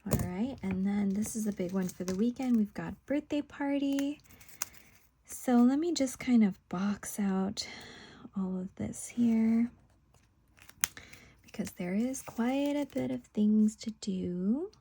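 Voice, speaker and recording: This woman talks slowly in a medium-pitched, dark-toned voice, casually describing what she's doing as a craft video host. It's plan-with-me chat narrated while she works, trailing into murmurs as she focuses, with a little background noise.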